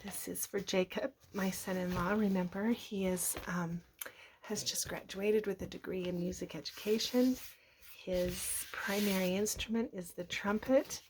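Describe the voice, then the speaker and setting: A middle-aged woman with a hoarse, croaky voice, casually showing handmade journals. She talks softly and often slips into a whisper. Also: medium pitch, fairly even intonation, unhurried, background noise. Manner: soft-spoken, often drops to a whisper. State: hoarse, recovering from a cough. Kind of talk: casual show-and-tell narration.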